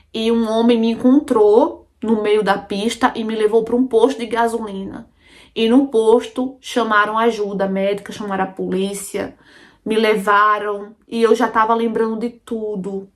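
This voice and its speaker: A Brazilian woman narrating a dramatic first-person story, emotional and intense, often turning to her listeners directly. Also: medium pitch. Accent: Brazilian Portuguese.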